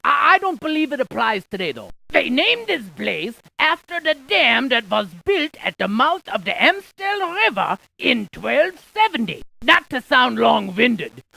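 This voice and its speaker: A woman's voice: on the high side, sing-song, unhurried, vocal fry, few pauses, sharp tone, dry recording, full character voice. A woman playing a quirky, chatty scientist in an educational game, delivering facts with theatrical emphasis and wordplay. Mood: chatty, informative. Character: quirky, chatty female scientist spouting geography trivia. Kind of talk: animated educational game character lines.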